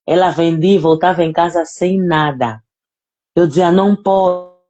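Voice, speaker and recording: A woman's voice: fairly low pitch, steady tone, measured pace, warm tone, dull audio. Earnest woman giving a faith testimony. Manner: earnest, emotional, speaks directly to the apostle; repeats phrases for emphasis.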